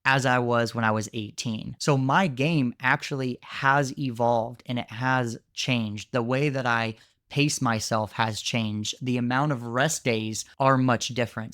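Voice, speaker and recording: A man's voice: medium pitch, fairly bright tone, no room sound, clean studio sound. A man in his thirties, a jiu-jitsu coach, giving frank, conversational training advice with casual fillers. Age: 30s. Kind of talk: instructional talk to camera.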